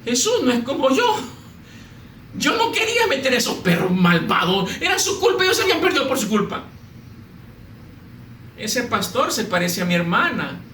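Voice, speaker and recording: A man's voice: extremely high pitch, wildly swooping pitch, moderate pace, long pauses, sharp tone. A man preaching a sermon as a pastor, telling humorous stories with mimicked voices. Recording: echoey room, slightly distant mic, faint noise.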